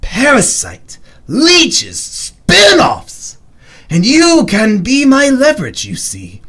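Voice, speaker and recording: A deranged, theatrical clown villain for an audio drama. He draws his words out slowly and swings wildly from murmurs to shrieks, cooing with mock affection and gleeful menace. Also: extremely high pitch, wildly swooping pitch, pushed and bright, slightly rough, full character voice. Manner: theatrical, sing-song, drawn-out, lurching from murmurs to shrieks.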